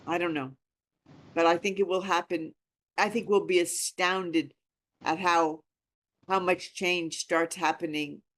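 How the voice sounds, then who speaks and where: A woman in her sixties talking informally and earnestly to a discussion group, with emphatic phrasing. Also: lowish voice. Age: 60s. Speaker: reading group leader.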